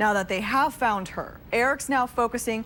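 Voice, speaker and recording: Lively intonation and moderate speed from a woman, with noticeable noise behind. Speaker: TV news reporter and anchor. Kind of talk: TV news live shot and interview questions.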